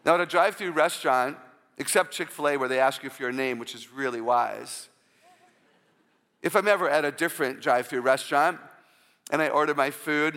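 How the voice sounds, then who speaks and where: A woman with a low voice, often taken for a man's, giving an inspirational church talk full of humorous personal stories and call-outs to the audience. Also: a bit bright, big-room sound. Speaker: Christian speaker.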